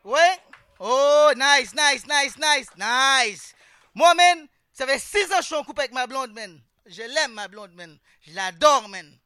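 Doing stand-up before a live crowd, a man with a Québécois French accent talks street slang, peppers every line with "man," and quizzes the audience. His very high-pitched voice is expressive and sharp, a little slow, with no room sound.

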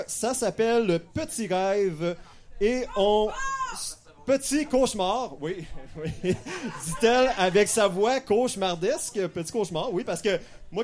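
Man, Quebec French accent, live auction host, playful, high-pitched, slow-paced. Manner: playful, chanting bids, laughing at his own jokes. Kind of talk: joking live auction patter.

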